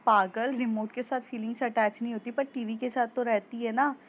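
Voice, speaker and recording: A woman's voice: fairly high pitch, fairly even intonation, moderate pace, highs cut off, slight background noise, pitched above the performer's own voice, close to an everyday voice. A woman voicing an earnest teenage girl student who talks eagerly and insists on her point, in a storytelling recording. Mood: insistent.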